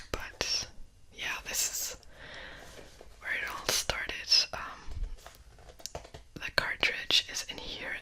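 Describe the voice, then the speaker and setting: Through noticeable background noise, a woman whispers at a very slow pace with long, frequent pauses and big swings in loudness. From Germany. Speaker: ASMR creator. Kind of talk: casual talk to camera, ASMR game collection show-and-tell. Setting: binaural microphone recording. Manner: whispered, soft-spoken.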